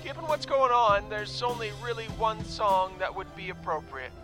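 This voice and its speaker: High-voiced halting male caller, matter-of-fact , played by a man, music under him. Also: animated. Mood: hesitant. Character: hesitant man calling in a song request. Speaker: caller to a radio show.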